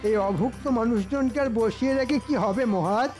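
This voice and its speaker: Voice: medium pitch, brisk, a little mellow, lightly acted. An actor playing a sly, scheming court minister in a cartoon, speaking in gloating asides. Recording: cartoon voice with faint music.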